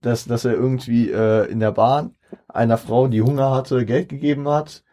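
A young man co-hosts a loose podcast conversation, circling his points with frequent restarts and fillers. His voice has a dark, mellow tone. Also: medium pitch, steady tone, moderate pace. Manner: rambling, many restarts and fillers. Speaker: podcast co-host. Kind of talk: casual chat about rap.

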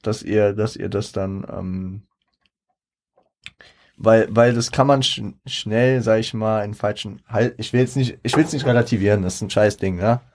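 A man co-hosting a casual music discussion in a hesitant, halting way, choosing his words carefully. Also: fairly low pitch, a little mellow. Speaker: co-host of a German rap album review.

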